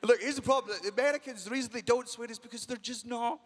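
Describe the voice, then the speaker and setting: A man doing loud, brash stand-up comedy for a live crowd, swearing heavily and breaking into shouts. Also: extremely high pitch, fast, a little hiss or hum. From Britain.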